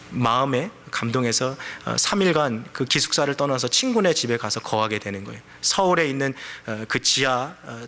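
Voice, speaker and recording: A man's voice: medium pitch, fairly bright tone. A male pastor giving a sermon in a conversational, storytelling way. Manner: conversational storytelling, acts out quoted voices.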